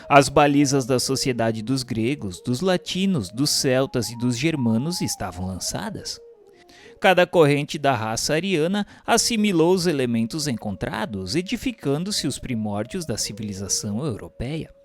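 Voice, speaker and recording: A man's voice: mid-range voice, big pitch swings, normal speed. A man reads a scripted spiritual history narration in a solemn, formal, literary manner. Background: music behind the voice.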